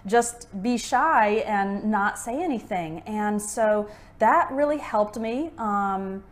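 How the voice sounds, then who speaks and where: A woman's voice: medium pitch, slow. A young American woman, an English teacher, chatting casually with a co-host in a conversation lesson. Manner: friendly, relaxed, asks questions.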